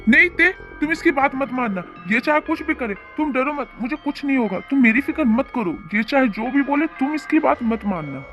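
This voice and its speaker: A performer with a high voice plays an angry, protective older father in a fan audio drama, threatening and defiant. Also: lively intonation, fairly quick, hardly any pauses, over music. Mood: urgent.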